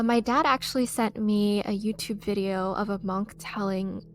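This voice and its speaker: A young woman from the United States co-hosts a podcast and tells a ghost story in an easy, chatty way. Her voice sits in the middle range, and faint music plays softly underneath. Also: mid-range voice. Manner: relaxed, chatty with light laughs. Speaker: podcast co-host. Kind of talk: casual storytelling.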